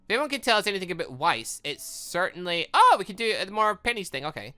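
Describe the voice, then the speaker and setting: Bright-voiced gamer, lively and chatty. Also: mid-range voice, fast talker, faint music behind. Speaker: gaming video host. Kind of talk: casual playthrough commentary, reading game dialogue aloud.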